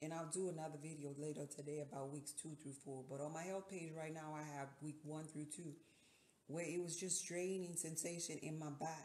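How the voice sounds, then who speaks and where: Quiet and very deep, a woman's dark, mellow voice holds a monotone, flat intonation amid audible room echo. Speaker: wellness and spirituality vlogger; spirituality vlogger. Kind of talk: personal testimony vlog. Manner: slow; low, quiet. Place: kitchen. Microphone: phone near.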